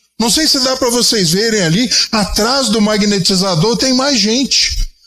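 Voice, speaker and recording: Music plays in the background as a man talks at a fairly slow pace. His high voice keeps very even loudness and ordinary pitch variation. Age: 60s. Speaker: spiritist lecturer. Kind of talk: religious lecture. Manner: conversational, addresses audience directly.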